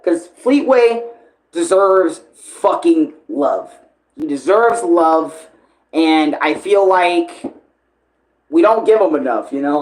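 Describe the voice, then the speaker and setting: A man's voice: on the high side, low-quality recording. Young guy doing a casual fan vlog, rambles a lot, hesitates, swears freely. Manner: informal, sweary, hesitant and digressive. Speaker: online video creator.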